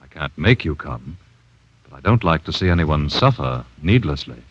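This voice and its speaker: A man's voice: a bass voice, big pitch swings, moderate pace, heavily acted. An actor playing an easygoing, plainspoken young man in an old radio drama, recorded as a dull old radio broadcast. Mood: calm. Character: friendly young man, eerily calm stranger. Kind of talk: 1940s radio acting.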